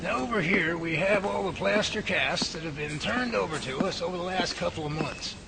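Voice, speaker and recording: A man playing a composed, patient professor who leads a research team and explains things in a measured way in an amateur radio drama. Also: sits high, vocal fry, over a noisy crowd, poor audio. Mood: hospitable.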